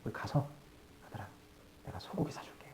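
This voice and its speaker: A man voicing a tender old father, hushed. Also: fairly quick, lightly acted. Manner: soft, hushed, near whispering. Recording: echoey, dull live church sound.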